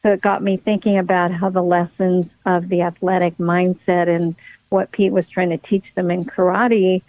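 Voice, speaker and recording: A woman's voice: fairly low pitch, level tone, normal speed, dry recording. A woman speaking conversationally as an expert guest in an interview, over a remote call. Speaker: guest, pediatric neurologist. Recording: very narrow phone-like line.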